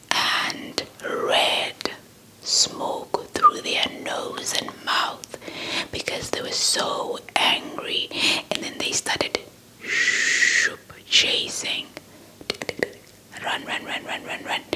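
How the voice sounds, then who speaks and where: A young woman, a Xhosa speaker, whispers a folktale as an ASMR storyteller, deliberately repeating words for effect, close to a handheld mic. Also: bright, forceful tone, rough recording. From South Africa. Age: young adult. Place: small indoor setup before a cloth backdrop. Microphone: handheld mic with fluffy windscreen, held close.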